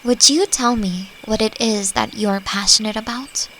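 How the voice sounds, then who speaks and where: A woman playing a friendly, thoughtful forest elf in a roleplay audio drama, talking gently and reflectively to the listener. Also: on the high side, moderate pace, low-quality recording. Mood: friendly, teaching. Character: friendly, thoughtful female forest elf, long-lived and curious. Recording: faint noise, nighttime forest insect ambience. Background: crickets and forest ambience.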